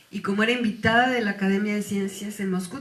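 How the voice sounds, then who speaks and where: Over noticeable background noise, a woman talks at a fairly quick pace. Her pitch varies in an ordinary way. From Mexico. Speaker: professor. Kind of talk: lecture.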